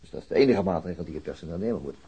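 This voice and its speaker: An actor playing a sober, methodical police detective in a radio drama, with a hesitant, understated way of talking. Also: male voice, sits low, animated, racing, dark tone, slightly rough, heavily acted. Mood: reserved. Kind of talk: naturalistic radio drama dialogue.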